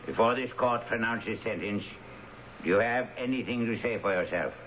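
Male actor as formal, stern judge, lowish voice, muffled old radio drama. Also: normal speed, a bit bright, natural voice. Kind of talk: 1970s radio drama acting. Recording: muffled, lightly hissy 1970s radio recording.

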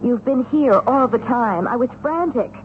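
A woman's voice: on the high side, lively intonation, normal speed, close to an everyday voice. An actress in a 1970s radio drama playing an anxious wife, earnest and reassuring with her injured husband. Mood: anxious, soothing. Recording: narrow-band old radio recording, faint noise.

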